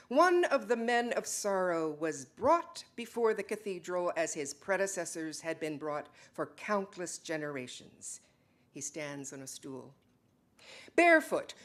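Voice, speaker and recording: Lady doing an old jewish ancestor guy telling grim stories, solemn, chanty, very expressive pitch. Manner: solemn, incantatory, rising repetition. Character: old Jewish male ancestor, sorrowful ironic storyteller. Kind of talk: dramatic monologue, storytelling.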